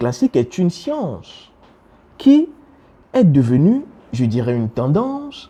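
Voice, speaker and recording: This man's voice carries a dark, mellow tone. There is some breathiness to it. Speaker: spiritual teacher. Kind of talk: spiritual talk to camera.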